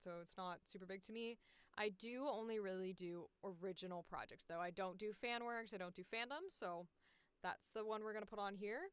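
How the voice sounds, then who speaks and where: A woman's voice: mid-range voice, a bit bright, clean tone, no echo. A woman who works as a voice actor hosts a livestream, talking casually and thinking aloud as she explains things step by step.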